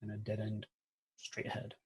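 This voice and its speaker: A man's voice: lowish voice, completely flat delivery, moderate pace, breathy edge. A young man casually improvising narration as game master of a tabletop game, explaining things informally over a video call. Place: indoor room at home, on a video call.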